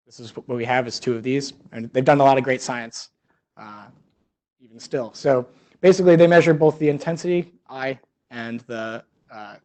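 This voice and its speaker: A young man delivers a technical seminar talk in a mid-pitched voice. He explains things informally, feeling his way through some phrases as a research scientist would when talking through slides. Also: a little mellow.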